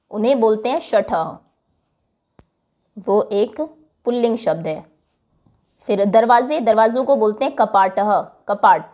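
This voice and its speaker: A woman's voice: fairly high pitch, mellow. A woman teacher giving a classroom lesson, patiently repeating each word and then explaining its meaning, with English words mixed into her talk.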